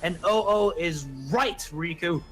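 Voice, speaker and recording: Man, esports caster, play-by-play, high pitched, excitable. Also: unhurried, faint music behind. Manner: excitable, rising to shouts at big plays. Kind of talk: play-by-play commentary.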